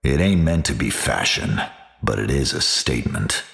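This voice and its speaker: A menacing game vigilante. The voice is extremely deep and rough with creak. He speaks tersely and deadpan, with wide swings of pitch inside that low register. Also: normal speed, full character voice. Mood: grim, dry. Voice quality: deep gravelly growl. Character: menacing, hard-bitten gunman vigilante in skull-chested gear.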